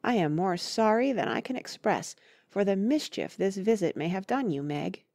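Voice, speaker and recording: A woman voicing a grave, gentle mother giving measured advice to her daughter in a storybook reading. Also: medium pitch, expressive, no room sound, lightly acted.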